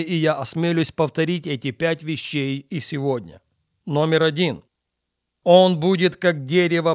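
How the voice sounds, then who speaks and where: A man preaching on the radio in a deliberate, emphatic way, repeating key phrases and letting sentence endings drop quieter. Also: fairly high pitch, no echo, studio quality. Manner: emphatic and deliberate, with repetition and rhetorical questions. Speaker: radio preacher and programme host. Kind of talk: radio sermon, Bible teaching.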